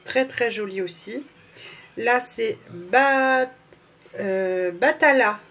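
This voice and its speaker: A woman's voice: fairly high pitch, extremely slow, a bit bright. A woman vlogger in casual, gushing chat, fumbling and apologizing as she reads out names. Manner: fumbles and restarts while reading labels.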